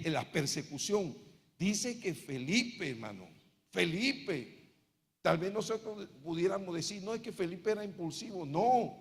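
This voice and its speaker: A man with a Panamanian accent preaching a sermon as pastor, loud and emphatic, joking with the congregation and raising his voice to a shout. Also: a little high. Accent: Panamanian Spanish. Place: church hall. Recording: long hall reverb.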